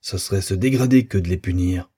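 A man's voice: low voice, brisk, warm tone, breathy edge. A man playing a jealous, accusing young lover. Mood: cold. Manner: bitter, accusing tirades.

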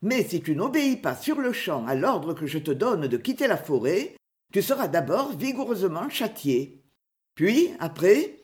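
A woman voicing Robin Hood as a proud, commanding outlaw chief who speaks in a lofty, measured way. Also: on the low side, a little mellow. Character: proud confident outlaw chief, adult man.

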